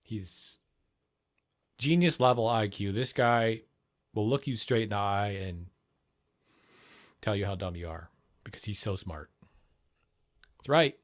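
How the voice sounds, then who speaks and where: A man's voice: on the low side, a little slow, pauses often. A man hosting a political livestream, arguing in a rambling, casual way and swearing now and then. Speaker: livestream host.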